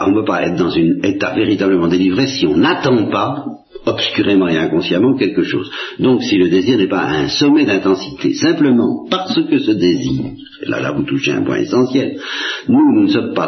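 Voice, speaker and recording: A man's voice: low-pitched, sing-song, fairly quick. A man giving a reflective religious talk, hesitating and repeating words while making emphatic appeals to his listeners. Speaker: spiritual lecturer answering questions. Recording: dull lo-fi archival recording in echoey room.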